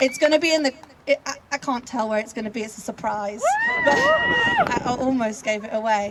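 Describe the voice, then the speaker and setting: Over noticeable background noise, a woman with a British accent speaks at a high pitch and a fairly quick pace with ordinary pitch variation. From UK. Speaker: activist speaker, artist and fashion designer. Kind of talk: protest speech. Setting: outdoor protest rally. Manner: halting.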